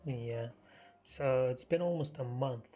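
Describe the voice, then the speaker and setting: A man hosting a live trading stream, half losing his voice, talking through the market in a halting, think-aloud way. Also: medium pitch, mellow. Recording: muffled stream audio with faint music.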